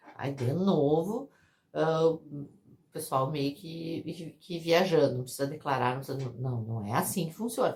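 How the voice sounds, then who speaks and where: A woman with a Rio Grande do Sul accent speaks at a moderate pace with lively intonation. Her fairly low voice is somewhat breathy. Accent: Rio Grande do Sul (gaúcho). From Brazil, Rio Grande do Sul. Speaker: accountant, crypto tax advisor. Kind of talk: tutorial video. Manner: repetitive, with many fillers.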